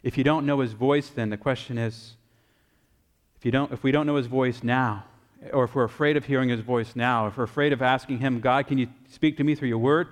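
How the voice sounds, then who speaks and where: A man's voice: medium pitch, fairly even intonation, a little fast, big-room sound. A man preaching a sermon as pastor, earnest and pleading, repeating phrases for emphasis.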